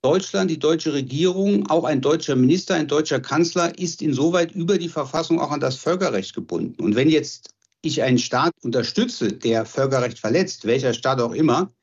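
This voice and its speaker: A man's voice: a little high, animated, normal speed, slightly rough, dull audio. A man explaining legal arguments emphatically in an interview clip. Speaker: law professor.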